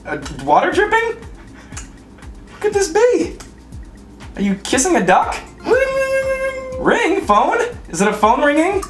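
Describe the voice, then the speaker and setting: A woman's voice: sits high, huge pitch swings, slow pace, pauses often, echoey room, soft background music. A woman doing goofy, irreverent comic banter as a guest on a radio show. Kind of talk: joking banter and silly sound effects.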